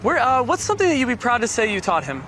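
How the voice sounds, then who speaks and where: A woman interviewer firing off short, upbeat questions in quick succession. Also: on the high side, wildly swooping pitch, noisy background. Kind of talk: quick street-style questions.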